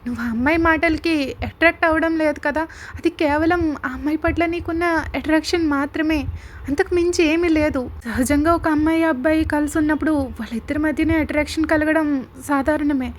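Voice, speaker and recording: A woman reading the part of a possessive, furious young woman in an audio story, with loud, forceful, pleading outbursts. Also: sits high, fairly even intonation, fairly quick, a little hiss or hum, natural voice. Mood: angry.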